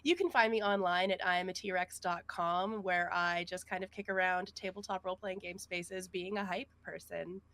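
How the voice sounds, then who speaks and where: A woman with a gravelly voice, hoarse from being sick, chatting casually and jokily as a player on a tabletop game stream. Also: lowish voice, fairly even intonation, moderate pace, hardly any pauses, a bit bright, slight background noise. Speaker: player on an actual-play stream. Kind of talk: casual introduction chat.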